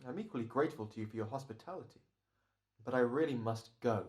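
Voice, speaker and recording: A man's voice: mid-range voice, fast talker, lightly acted. A man playing a stubborn, urbane jewel thief in an old-time radio thriller. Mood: suave defiance.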